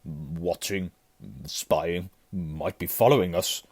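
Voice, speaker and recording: A man's voice: fairly low pitch, takes it slowly, no echo. A man voicing a blustering, bullying middle-aged uncle who barks, sneers and stammers when rattled, in a storybook reading. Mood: agitated, muttering.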